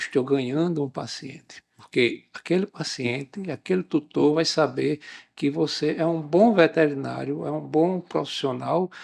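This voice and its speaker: A man speaks in a normal speaking voice with a fairly high pitch and ordinary pitch variation. His pace is fairly slow, with hardly any pauses, and the sound is dry and close with no echo. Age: 60s. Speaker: veterinary dentist. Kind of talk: podcast interview.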